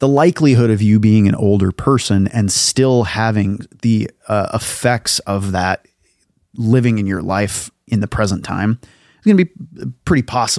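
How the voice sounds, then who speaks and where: A man's normal speaking voice, fairly low in pitch with ordinary pitch variation, at a moderate pace, in a dry, close sound with no echo. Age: 30s. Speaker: electrician and podcast host. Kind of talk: casual solo monologue.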